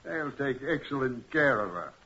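An actor playing a smug, scheming villain in a 1940s radio crime drama, gloating deliberately with cool menace. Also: male voice, mid-range voice, animated, pushed and bright, slight background noise. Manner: smooth-talking, gloating, deliberate. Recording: muffled, dull vintage 1940s radio recording.

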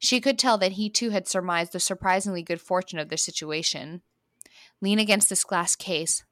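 A woman's voice: fairly low pitch, moderate pace, fairly bright tone, dry recording, studio quality. A woman hosting a comedy podcast, reading her own racy story aloud and breaking into giggles.

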